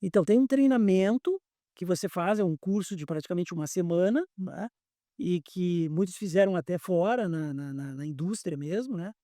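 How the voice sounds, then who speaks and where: A man's voice: sits high, normal speed, dark tone, no echo, clean studio sound. A man, an airline pilot examiner explaining things patiently in a podcast interview and often repeating words as he searches for them.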